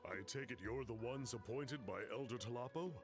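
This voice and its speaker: A man playing a casual, talkative tribal guide in a video game, explaining things in a chatty way with a slightly husky voice. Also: mid-range voice, moderate pace, over loud music, lightly acted. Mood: matter-of-fact. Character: laid-back tribal guide man, talkative graffiti art enthusiast.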